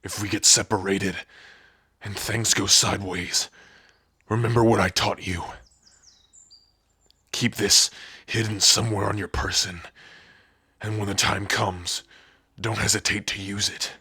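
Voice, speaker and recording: Man voicing a husky, gruff orc warrior. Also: fairly low pitch, steady tone, a little slow, pauses often, pushed and bright, no echo, exaggerated voice. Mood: wary, protective. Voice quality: raspy, husky. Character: gruff, protective young male orc warrior, devoted to spouse. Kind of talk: ASMR roleplay acting.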